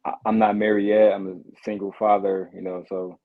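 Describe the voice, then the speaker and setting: A man from Detroit calls in over a thin, phone-like line. His voice sits low. He talks earnestly, in short halting fragments. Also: little pitch movement. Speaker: caller. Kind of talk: casual live-audio chat.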